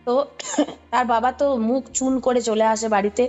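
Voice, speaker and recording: High-voiced Bengali woman telling a story. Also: fairly even intonation, normal speed, a little mellow, soft background music. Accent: Kolkata Bengali. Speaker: podcast guest recounting a ghost story. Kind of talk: conversational spoken storytelling.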